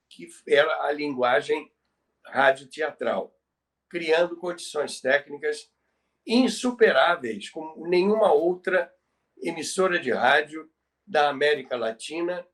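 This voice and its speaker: Older brazilian guy, kinda high voice, bit far from the mic, explaining stuff like a teacher, repeats himself for emphasis. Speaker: co-host, former radio professional. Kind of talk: conversational talk about radio history. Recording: distant from the microphone.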